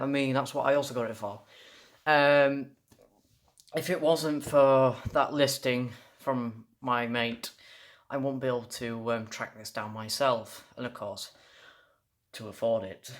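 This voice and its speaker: A man's voice: medium pitch, unhurried, fairly bright tone. Young man, casual rambling enthusiast. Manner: rambling, enthusiastic, repeats himself. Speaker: toy reviewer. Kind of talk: casual unscripted review vlog.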